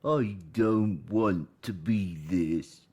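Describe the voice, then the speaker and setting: An actor playing an earnest, childlike uncle with learning disabilities, speaking haltingly in a radio play. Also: male voice, lowish voice, darkish tone. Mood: halting, downcast. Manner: slow, halting, simple repetitive phrasing.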